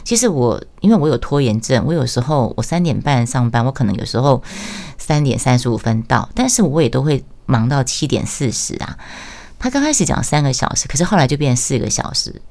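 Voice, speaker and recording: A woman's voice: very deep voice, fairly quick, gravelly. A middle-aged woman casually recounting her job, acting out quoted exchanges with sudden raised voices. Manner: animated, acts out quoted lines in raised voice. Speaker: voice worker recounting her tofu stall job. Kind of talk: casual storytelling monologue.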